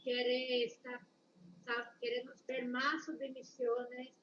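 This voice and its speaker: A woman from Paraguay with a strong Paraguayan accent, a missionary speaking on a church live stream, often pausing and searching for words. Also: a little high, monotone, fairly bright tone, recorded from a distance, highs cut off, a little hiss or hum.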